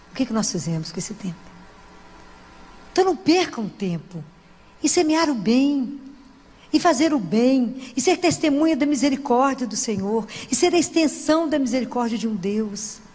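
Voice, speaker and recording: A woman's voice: fairly high pitch, a little mellow, husky. A woman with a Brazilian Portuguese accent giving a chatty sermon in church, full of tag questions and restarts. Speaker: Catholic lay preacher. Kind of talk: conversational sermon. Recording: long church reverb.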